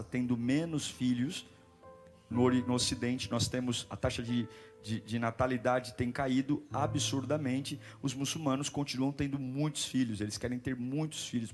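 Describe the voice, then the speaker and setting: Around forty, a man with a mid-range voice preaches a sermon that moves from calm teaching into loud, rhythmic, repetitive exhortation.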